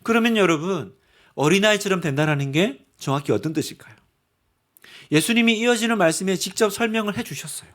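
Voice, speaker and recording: Man, pastor, sermon, high-pitched, earnest, rhetorical questions, church sanctuary. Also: lively intonation, brisk, fairly bright tone. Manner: earnest, asks the congregation many rhetorical questions.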